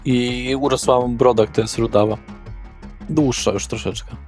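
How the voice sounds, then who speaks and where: A man as game master, narrating a horror roleplay in measured, short descriptive phrases. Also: medium pitch, fairly even intonation, a little mellow, soft background music.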